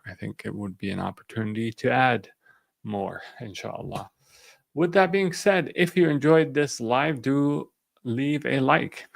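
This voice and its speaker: A man from Syria talks through market news on a live stream in a low, gravelly voice. He is unhurried, thinks aloud and fills his pauses with "uh". The sound is close and dry, with no room around it. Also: no echo. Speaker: finance channel host. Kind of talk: live-stream market commentary with viewer questions.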